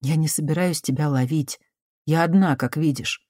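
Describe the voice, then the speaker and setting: Мягкий, негромкий женский голос в исполнении чтицы уговаривает терпеливо и примирительно. Тон низкий и приглушённый, речь осторожная, без нажима. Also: female voice, low voice, normal speed, no echo, clean studio sound. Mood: coaxing. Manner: soft, conciliatory, hushed. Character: cautious gentle woman, soothing and patient.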